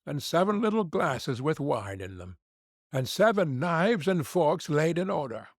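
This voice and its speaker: A man narrating a fairy tale for an audiobook in a measured storytelling manner. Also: mid-range voice, dry recording, studio quality.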